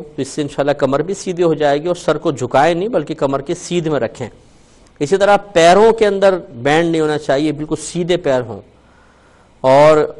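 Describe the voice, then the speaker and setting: A man hosting a religious call-in show as a mufti, explaining patiently and slowly repeating phrases to show how to say them. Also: a little high, darkish tone. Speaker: mufti answering callers.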